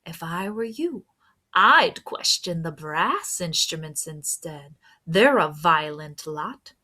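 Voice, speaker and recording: A woman voicing a self-important storybook oboe, confiding and quick to blame others. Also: fairly low pitch, animated, sharp tone, exaggerated voice. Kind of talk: storybook character voice.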